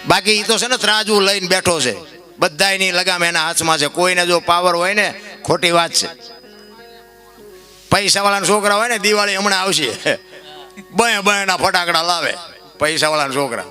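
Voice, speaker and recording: Male folk preacher, high bright voice, fervent storytelling, soft music underneath. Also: moderate pace. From Gujarat, India. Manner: preachy, storytelling, rising to loud impassioned peaks. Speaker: dayro storyteller. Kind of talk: folk dayro sermon.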